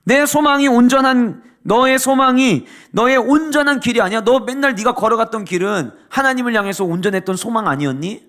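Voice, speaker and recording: A pastor acting out a reproachful older male friend who lectures with sarcastic questions. The man's voice is high. He scolds in quick rhetorical jabs. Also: expressive, a bit bright.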